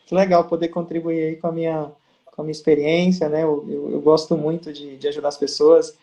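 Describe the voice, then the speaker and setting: Slightly high-voiced and moderately paced, a Brazilian pharma district manager appears as a guest in a casual live interview over video call. He spins stories and performs the back-and-forth of quoted conversations with animation.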